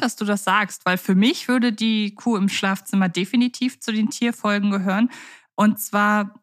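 A woman co-hosts a podcast and steers the conversation with questions. She talks in an articulate, lively way, with a voice in the ordinary middle range for a woman. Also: mid-range voice. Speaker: podcast co-host. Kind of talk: casual podcast chat.

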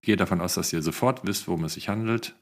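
A man's voice: low voice, quick pace, over music. A man co-hosting a podcast in casual chat, playful and chatty. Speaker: podcast co-host.

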